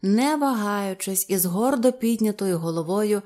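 Woman reading a novel out loud, mellow darkish voice, steady storyteller pace. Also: medium pitch, normal speed. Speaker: audiobook narrator. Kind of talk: literary audiobook narration.

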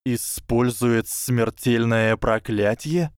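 A man voicing a guarded, clever young boy who speaks in a measured, questioning way in an audiobook. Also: medium pitch, fairly even intonation, a little mellow, clean tone, dry recording, clean studio sound, pitched above the performer's own voice, natural voice. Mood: wary. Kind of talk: audiobook character voice.

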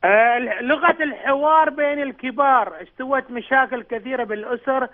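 High-voiced caller on a phone line. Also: male voice, a little fast. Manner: formal, full of blessings and prayers.

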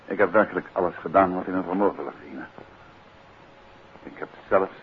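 A male actor as a composed gentleman detective speaks in a lowish voice with a Netherlands Dutch accent. He is courteous and inquisitive, in the manner of 1950s radio drama. The sound is narrow and noisy, like an old broadcast. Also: a little fast, close to an everyday voice. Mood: regretful. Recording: band-limited, noisy 1950s radio recording.

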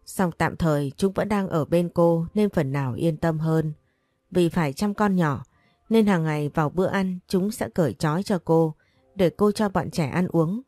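A woman reading a story aloud in a steady, scripted narration. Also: lowish voice, normal speed, no room sound. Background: faint music.

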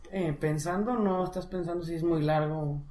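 Mexican woman student, quiet repeats, distant roomy sound. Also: on the low side, steady tone, normal speed. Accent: Mexican Spanish. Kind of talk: repeating words in an English lesson. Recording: roomy echo, from off the mic.

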